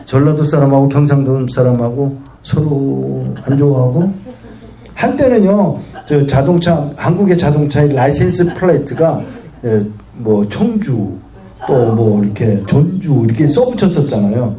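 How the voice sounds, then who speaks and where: Speaking at an unhurried pace in a medium-pitched voice, a visiting male pastor delivers a sermon full of stories and questions for the congregation. The animated preaching echoes through a hall, with faint background noise.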